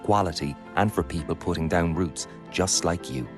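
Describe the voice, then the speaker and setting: A man's voice: low voice, moderate pace, over music. A man reading a scripted radio advert as a voice-over.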